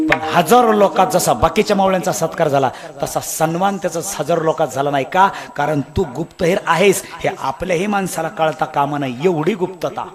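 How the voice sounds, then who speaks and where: A man preaching a devotional storytelling sermon, dramatic, swinging between shouts and hushed lines. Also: a little high. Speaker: kirtan preacher. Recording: live crowd in the background.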